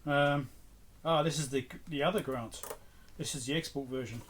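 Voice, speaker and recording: A middle-aged man who hosts an electronics repair channel talks off the cuff, musing to himself vlog-style as he goes through items. His voice is medium-pitched and fairly bright at normal speed, with slight background noise.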